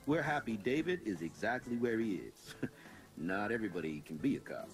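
A middle-aged small-town cop, chatty and a bit preachy, voice rising and falling a lot. soft music plays behind him in this game scene. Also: male voice, lowish voice, big pitch swings, normal speed, rough recording. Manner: friendly, gossipy, preachy. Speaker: police officer.

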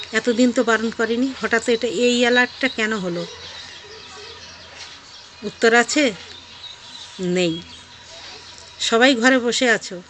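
A woman vlogger scolds someone in a long monologue to camera. Her voice is bright and cutting, and her tone is preachy. A faint noise sits in the background. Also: fairly high pitch. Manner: sharp, preachy rebuke that mixes in devotional chants. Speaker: online vlogger.

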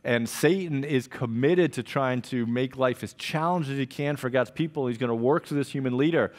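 A man in his forties preaches from a church stage into a headset mic, moving around and gesturing widely. His voice sits at an ordinary middle pitch, and he tells stories with animated energy, voicing his own reactions as he goes. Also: fairly quick. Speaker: pastor. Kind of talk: sermon. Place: church stage with purple backlit wall.

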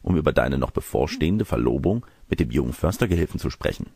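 A kindly, brisk village mother from a fairy tale, as a male reader puts her on. She instructs in a lively, slightly creaky voice. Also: extremely low pitch, dry recording, exaggerated voice.

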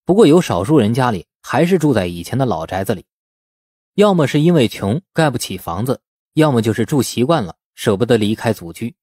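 Male audiobook narrator, expressive and animated, mellow tone, dry close recording. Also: mid-range voice, a little fast, breathy edge, dry recording. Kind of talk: scripted novel narration.

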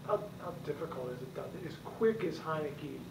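A man's voice: on the high side, lively intonation, moderate pace, creaky. A man, a sports reporter, asking questions at a press conference, often stopping and restarting his sentences. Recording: distant, echoey, noisy press room.

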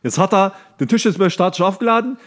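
Man with lively intonation, casually commenting. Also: high voice, fast. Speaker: podcast host. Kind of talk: casual joking commentary on a TV show they are watching.

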